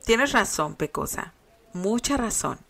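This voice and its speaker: A woman's voice: medium pitch, very animated, unhurried, vocal fry, fairly bright tone, husky, faint music behind, heavily acted. Terry, as a woman reader voices him, tender young man. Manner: tender, teasing. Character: young man, proud teasing sweetheart.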